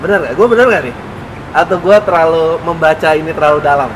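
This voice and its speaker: A man chats with his guest in a loose, friendly manner and laughs easily. His voice is somewhat high for a man. Clear street and traffic noise is heard behind him. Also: quick pace. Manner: chatty, laughs often. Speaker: interviewer. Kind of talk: casual interview chat. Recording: outdoor recording with traffic noise.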